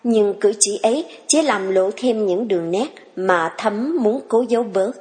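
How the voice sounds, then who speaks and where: A woman narrating a dramatic story reading, measured and smooth. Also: mid-range voice, a little mellow. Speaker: story reader.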